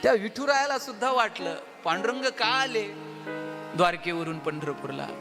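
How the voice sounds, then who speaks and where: A man giving an animated motivational stage speech, telling humorous stories and speaking straight to the audience. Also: sits high, normal speed. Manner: animated, addresses the audience directly. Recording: long hall reverb with faint music.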